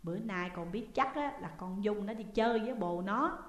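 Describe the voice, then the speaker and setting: A woman's voice: medium pitch, normal speed, close to an everyday voice. A woman with a Southern Vietnamese accent voicing a young schoolgirl friend who urgently confides a worry in an audio story, recorded in an echoey room. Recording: echoey room with long reverb.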